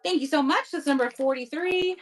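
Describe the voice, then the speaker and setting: Broadcasting from home at night, a woman with a high-pitched, fairly quick voice runs a casual live online auction, upbeat and chatty as she thanks each bidder. Faint music plays behind her, and the audio quality is poor.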